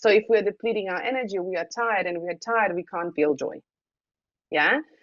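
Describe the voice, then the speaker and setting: A woman talks at a fairly quick pace. She speaks with a non-native accent. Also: medium pitch for a woman, ordinary pitch variation. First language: not English. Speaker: wellness trainer. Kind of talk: live training session. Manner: hesitant, frequent fillers.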